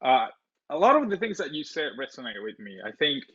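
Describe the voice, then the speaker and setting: A man's voice: on the high side, very animated, brisk, fairly bright tone, slightly rough, dull audio. A man from El Salvador talking casually as a webinar co-host, often repeating his words.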